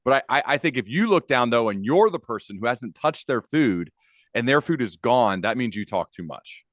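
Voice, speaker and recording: A man's voice: mid-range voice, very animated, normal speed, a bit bright, dry recording, studio quality. A man hosting an interview podcast, chatting informally with anecdotes and acted-out imagined quotes. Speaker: podcast host. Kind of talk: casual interview chat.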